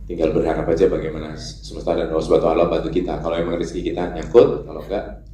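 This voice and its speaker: A man's voice: extremely low pitch, flat delivery, racing, dark tone, a little hiss or hum. A man who voices a cartoon character, answering questions at a press conference in an earnest, rambling way. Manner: earnest, rambling with fillers and asides. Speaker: voice actor for the film. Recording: echoey hall with faint ambience.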